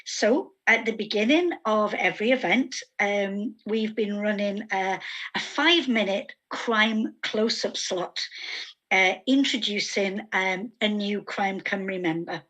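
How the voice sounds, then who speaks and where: A woman's voice: mid-range voice, a little slow, a bit bright, poor audio. A woman hosting an online festival event over a video call, hesitant and full of fillers. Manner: hesitant, many fillers and restarts. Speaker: festival panel chair.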